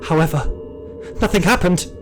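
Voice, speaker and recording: A man acts as a frightened, injured male security guard telling his own story in an audio drama. His fairly high voice is intense, anguished and theatrical, set over clearly audible music. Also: normal speed, natural voice. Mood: desperate. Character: terrified wounded male security guard recounting his ordeal. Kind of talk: dramatic first-person audio drama narration. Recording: loud music behind the voice.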